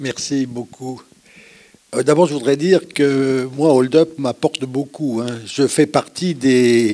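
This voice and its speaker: A man with a dark, mellow tone speaks very slowly at a medium pitch, his intonation fairly even. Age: 80s+. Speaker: retired neuropsychiatrist and professor. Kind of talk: lecture.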